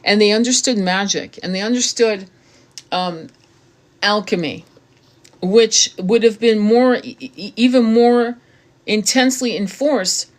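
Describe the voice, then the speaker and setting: A woman's voice: mid-range voice, unhurried. A woman hosting her own channel, reading aloud from a book and breaking off into blunt, casual commentary with frequent swearing and stumbles. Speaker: tarot reader and spiritual channel host.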